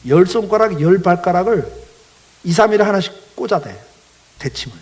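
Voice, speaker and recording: A man's voice: sits high, lively intonation, normal speed, darkish tone, rough recording. A man preaching a sermon as pastor, telling the story dramatically, acting out quoted voices and asking the congregation questions.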